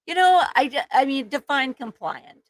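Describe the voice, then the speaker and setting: A woman's voice: high-pitched, expressive, normal speed. A woman co-hosting a live show, chatting casually as she reacts to a video.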